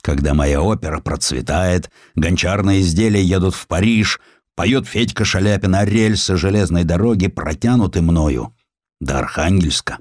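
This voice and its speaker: A broken but proud male magnate voiced by a male narrator speaks with weary bitterness. The voice is very deep and dry, in the manner of an audiobook drama. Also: normal speed, dry recording. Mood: bitter, dejected. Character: jailed, broken male arts patron and railway magnate.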